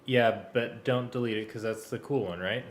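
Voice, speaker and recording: A man's voice: fairly low pitch, normal speed. A man thinking aloud hesitantly in casual working talk, as a music arranger sorting out cues. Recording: echoey room, some background noise.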